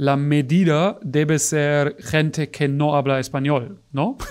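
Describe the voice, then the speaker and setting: Recorded very cleanly against a silent background, a man speaks very slowly in a fairly high voice. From Germany. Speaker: YouTube reactor. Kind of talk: casual reaction commentary.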